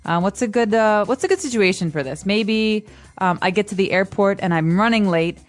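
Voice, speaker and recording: A woman co-hosting a podcast lesson, explaining each phrase with everyday situations and little acted lines. Her voice sits at a middling pitch, with faint music underneath. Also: normal speed. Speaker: podcast co-host, English teacher. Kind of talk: casual teaching chat.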